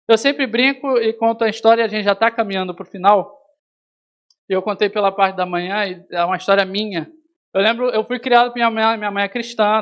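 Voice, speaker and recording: A man's voice: high-pitched, a bit bright. A man from Brazil preaching a sermon, telling a personal story and calling his listeners brother. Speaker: pastor. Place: church hall.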